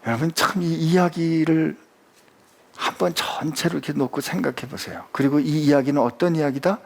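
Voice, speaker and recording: A man's voice: fairly high pitch, steady tone, normal speed, creaky. A male pastor preaching a sermon in a conversational way, with frequent asides to the congregation.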